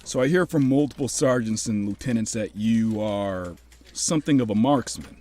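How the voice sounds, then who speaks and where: A man's voice: lowish voice, normal speed, warm tone, lightly acted. A man playing a genial older American army officer in an audio drama, probing and commanding in a folksy, paternal way.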